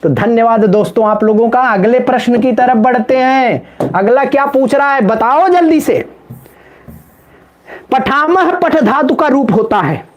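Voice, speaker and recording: A man's voice: very high voice, lively intonation, unhurried. A man teaching Sanskrit in a live online exam-prep class, chanting word forms in a sing-song rhythm and joking with viewers in the chat. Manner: playful, banters with viewers in chat.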